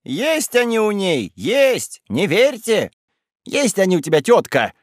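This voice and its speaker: A man doing a shrill accusing young woman. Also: sing-song, normal speed, no echo, clean studio sound. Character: blunt, tearful young village woman.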